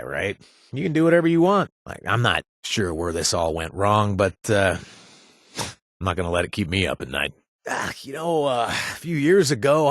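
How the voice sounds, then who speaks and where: A husky, halting ex-raider guy. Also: medium pitch, no room sound, clean studio sound. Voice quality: husky, halting with many fillers and restarts. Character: reformed ex-raider man, gentle and awkward. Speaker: companion character. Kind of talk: video game voice acting.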